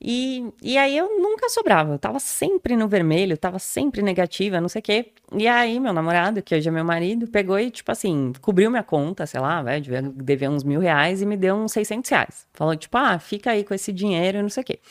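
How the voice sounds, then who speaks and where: A woman's voice: mid-range voice, fairly quick, hardly any pauses, no room sound, studio quality. A woman, a podcast guest chatting casually and telling stories with lots of laughs and fillers. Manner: animated storyteller, laughs often, many fillers. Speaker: guest neuropsychologist.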